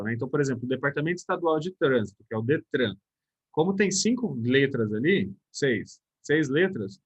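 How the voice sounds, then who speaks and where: A man's voice: medium pitch, husky. A male teacher giving a casual grammar lesson, talking to his students as a group and answering his own questions. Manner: chatty, addresses students as "galera", asks and answers own questions.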